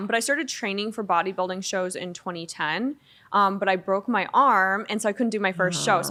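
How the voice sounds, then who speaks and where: Talking fairly quickly, a woman with a slight Minnesota accent has a medium pitch and a bright, sharp tone, heard on a very clean recording with a silent background. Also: ordinary pitch variation. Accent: light Minnesota. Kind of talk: casual, conversational.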